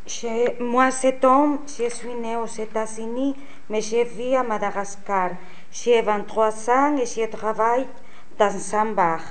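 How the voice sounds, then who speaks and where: A woman's voice: fairly high pitch, slow pace. A woman student carefully reading a character's part from a language lesson script. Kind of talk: slow careful read-aloud of a lesson script.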